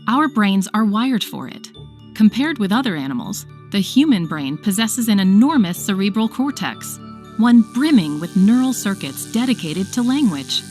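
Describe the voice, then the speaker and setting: A woman's voice: mid-range voice, big pitch swings, moderate pace. A woman reading a scripted educational narration as a video narrator. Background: soft background music.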